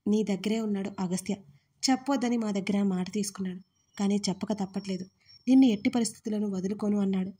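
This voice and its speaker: A woman voicing a worried, fatherly older man who speaks softly and pleads affectionately in an audio story. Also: mid-range voice, quick pace, breathy edge, lightly acted. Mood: gentle.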